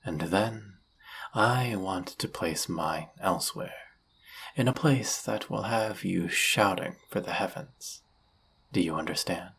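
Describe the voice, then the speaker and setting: A man playing a suave, seductive demon in a flirty audio roleplay, husky and gravelly, with a teasing, theatrical, often murmured delivery. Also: low voice, slow pace, a bit bright, a little hiss or hum, heavily acted. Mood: possessive, flirty. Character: suave seductive male demon, smug and dangerous.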